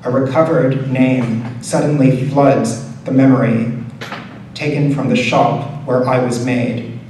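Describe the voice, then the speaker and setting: Echoey, slow-reading male poet. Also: medium pitch, fairly even intonation, a little mellow. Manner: measured, deliberate delivery with pauses between short phrases. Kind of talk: poetry reading. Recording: very echoey room, distant mic, faint noise.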